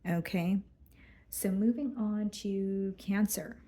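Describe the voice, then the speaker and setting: A woman doing a casual tarot reading, going hoarse and clearing her throat as she talks through the cards with some hesitation. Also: mid-range voice, slow pace, mellow. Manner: careful, hesitant, repeats words. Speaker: tarot reader.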